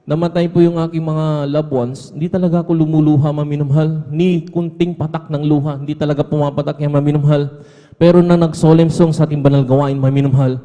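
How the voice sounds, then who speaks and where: A man's voice: a little high, level tone, fast, mellow, highs cut off. A man giving an earnest church testimony, constantly repeating a fond address to the congregation, from a church pulpit. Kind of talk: testimony at a prayer service. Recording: echoey hall with long reverb.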